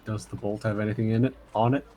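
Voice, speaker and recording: A man's voice: on the low side, fairly even intonation, fast talker, warm tone, faint music behind. A man playing a tabletop game in character as a theatrical bard who grandly recites verse. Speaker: player. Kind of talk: in-character tabletop role-play.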